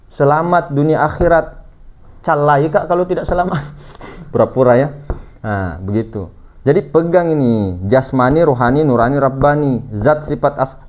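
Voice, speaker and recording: A man giving a relaxed, joking sermon as a religious teacher, repeating key terms for emphasis. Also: mid-range voice. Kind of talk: casual sermon on Sufism. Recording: dull lo-fi recording.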